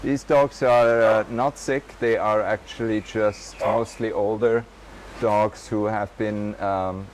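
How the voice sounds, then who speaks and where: A man's voice: fairly low pitch, steady tone, slow pace, darkish tone. A man guiding visitors around an animal rescue center, explaining hesitantly with many fillers. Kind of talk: walking tour explanation. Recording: noisy outdoor recording with barking dogs.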